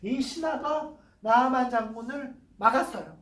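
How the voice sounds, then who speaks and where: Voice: high voice, normal speed, fairly bright tone. A preacher telling a Bible story to young children in church, exclaiming and asking the kids questions along the way. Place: church worship room. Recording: roomy hall, voice from a distance.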